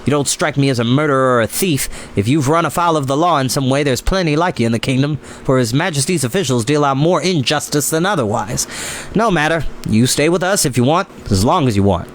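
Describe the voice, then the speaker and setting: A man's voice: mid-range voice, expressive, a little fast, a little hiss or hum, lightly acted. A man voicing a weathered, plain-spoken, kindly fisherman in a storybook. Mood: frank, welcoming.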